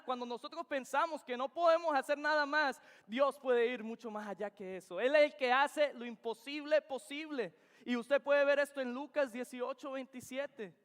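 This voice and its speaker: A young Venezuelan man preaches an earnest, emphatic sermon in a church sanctuary, repeating key phrases. His voice is very high and a bit bright, and the recording carries the reverb of the church hall.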